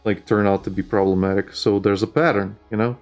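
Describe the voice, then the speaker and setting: A man co-hosting a stream, chatting casually in a rambling, halting way with many fillers. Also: fairly low pitch, steady tone, faint music behind. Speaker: stream co-host. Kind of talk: casual chat.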